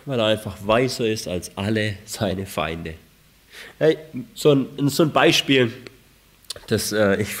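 A man preaching a sermon with a cold, reading scripture with rising emphasis and asking rhetorical questions. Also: medium pitch. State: has a cold.

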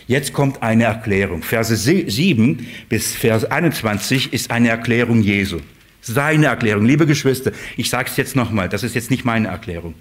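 A man preaching a sermon to his congregation, lively, playfully acting out voices of shepherds and sheep, with his voice rising and dropping. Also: medium pitch, moderate pace.

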